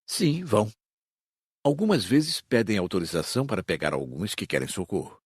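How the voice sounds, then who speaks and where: A Brazilian man playing a patient spirit teacher in an audiobook, explaining in a measured, didactic way. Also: lowish voice, very animated, husky, no echo, studio quality. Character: patient male spirit teacher instructing his students. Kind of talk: audiobook dramatized reading.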